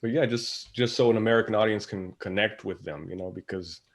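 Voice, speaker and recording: Slightly low-voiced man, tentative and casual. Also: brisk. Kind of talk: casual conversation.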